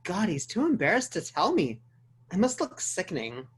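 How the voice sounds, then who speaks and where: A woman playing a self-conscious, dramatic sixteen-year-old girl in a comedy table read, expressive and girlish. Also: on the low side, normal speed, slightly rough, exaggerated voice. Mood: embarrassed panic.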